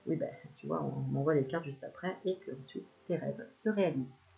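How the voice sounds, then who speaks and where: A woman giving a casual spiritual card reading to the viewer, chatty and quick to laugh, self-filmed at home. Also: low-pitched, vocal fry, warm tone. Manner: chatty, laughs often, addresses viewer familiarly. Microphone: self-filmed camera. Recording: slightly dull lo-fi sound, faint hiss.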